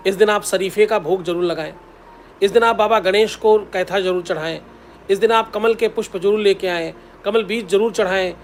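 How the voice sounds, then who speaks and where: A man's voice: high voice, slight background noise. A man, a spiritual teacher, giving devotional advice in an instructive way, repeating the key steps and intoning mantras.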